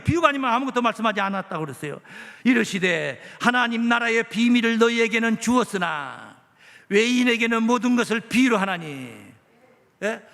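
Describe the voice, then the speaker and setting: A high-pitched man delivers a sermon with a forceful, bright edge. He preaches emphatically, firing rhetorical questions at the congregation. His voice rings with long reverb in a church hall. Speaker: pastor. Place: church sanctuary.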